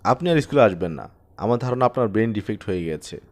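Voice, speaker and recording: A man's voice: lowish voice, expressive, quick pace, close to an everyday voice. A man voicing a stern, sarcastic male headmaster who scolds coldly and curtly in an audiobook story. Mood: stern dismissal. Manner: cold, curt, scolding.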